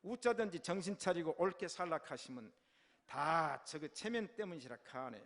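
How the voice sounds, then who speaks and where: A man voicing a Gyeongsang-dialect man reciting a psalm, with a Gyeongsang accent, loud and emphatic. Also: a little high, animated, normal speed. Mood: earnest.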